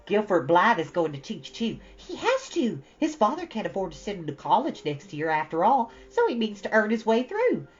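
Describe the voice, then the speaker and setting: A woman voicing a chatty, lively teenage girl with gossipy emphasis in a storybook reading. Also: medium pitch, normal speed, few pauses, muffled recording, voice pushed up. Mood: chatty, newsy.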